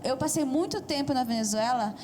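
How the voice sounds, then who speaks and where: A high-voiced Brazilian woman rattles off a casual anecdote as a student guest on a talk show. She is chatty and a little self-conscious, and her words tumble quickly. Light noise underneath. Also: a little mellow.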